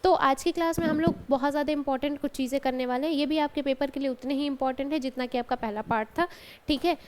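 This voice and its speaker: A woman's voice: high voice, fast. A woman, a college chemistry lecturer, teaching a class step by step and checking in with her students as she goes. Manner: explains step by step, often adds "ठीक है" and calls students "बेटा".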